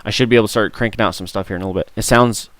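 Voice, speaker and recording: A tired, hoarse man with a gruff, rough voice streaming a game, chatting and muttering to himself on a close mic. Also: on the low side, steady tone, very fast, a bit bright, no echo. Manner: mutters to himself while playing. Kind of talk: casual gameplay stream chat. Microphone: close studio mic.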